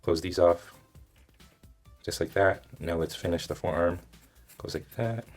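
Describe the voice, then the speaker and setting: A man who is a little hoarse, giving casual step-by-step drawing instruction and thinking aloud as he demonstrates. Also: low voice. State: hoarse, losing his voice. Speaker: drawing tutorial host.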